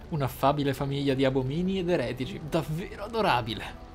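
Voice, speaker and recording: A man commentates casually on a role-playing game. He muses aloud in an amused way, as if thinking for his character, while music plays clearly behind his voice. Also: mid-range voice, lively intonation, a little fast. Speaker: let's play host.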